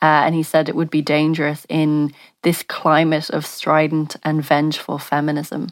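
A woman's very deep, low voice at a moderate pace, in a monotone with flat intonation. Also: very clean recording, silent background. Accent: Irish. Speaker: journalist and author. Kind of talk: panel discussion.

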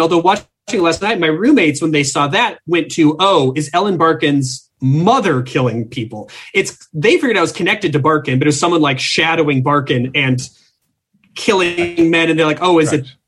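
A man with an American accent in a plain, everyday voice, fairly high in pitch, with lively intonation at a fairly quick pace. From Minnesota. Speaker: film podcaster. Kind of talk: casual chat.

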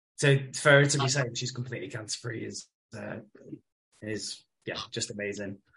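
This man has a medium pitch, a bright, sharp tone, vocal fry and ordinary pitch variation. He talks at a fairly quick pace with long, frequent pauses and big swings in loudness. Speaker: podcast host. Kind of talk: casual chat.

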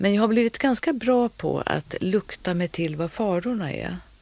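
This woman's voice has lively intonation. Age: 60s. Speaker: journalist and author. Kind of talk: interview.

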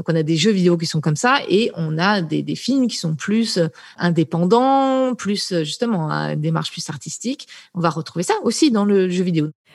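Lively intonation marks a woman's fairly low voice as she keeps a moderate pace over noticeable background noise. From France. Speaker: cognitive psychologist. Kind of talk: interview.

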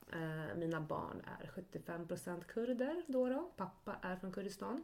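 A woman with a normal speaking voice and medium pitch talks at a fairly slow pace with lively intonation. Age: 30s. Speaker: podcast co-host. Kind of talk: casual chat.

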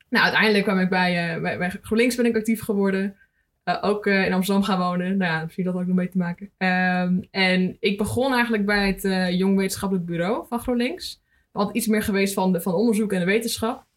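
In a very clean recording with a silent background, a woman of medium pitch talks at a fairly quick pace with fairly even intonation and very even loudness. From Netherlands, Amstelveen. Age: 20s. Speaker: city councillor and researcher. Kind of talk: casual interview. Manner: hesitant, many fillers.

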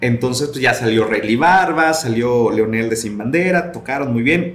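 At a moderate pace, a man speaks in a plain, everyday voice with ordinary pitch variation. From Mexico, Jalisco region. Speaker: radio host. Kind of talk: casual chat. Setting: studio.

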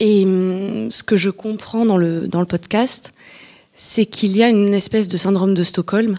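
A woman speaks at a moderate pace with a medium pitch. Her tone is dark and mellow, and her intonation is fairly even. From Martinique. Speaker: audience member. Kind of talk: audience question. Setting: bookshop event with live audience.

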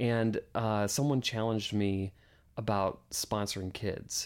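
A man with an unremarkable speaking voice and a fairly low pitch speaks with ordinary pitch variation on a very clean recording with a silent background. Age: 30s. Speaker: sperm donor, business owner. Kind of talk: interview.

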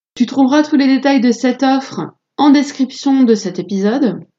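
Lively intonation marks this woman's somewhat breathy voice as she speaks fairly slowly. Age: 40s. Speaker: spiritual coach and podcast host. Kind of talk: solo podcast monologue.

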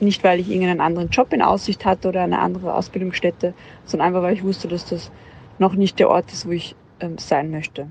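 Very fast speech comes from a woman. Her pitch is fairly low, and her intonation is fairly even. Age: 20s. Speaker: former special-needs teacher. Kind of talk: recorded personal story.

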